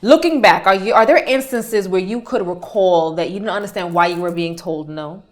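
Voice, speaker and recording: A woman's voice: medium pitch, moderate pace. A woman hosting an interview, affirming and reflective as she asks her questions. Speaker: host. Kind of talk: interview talk.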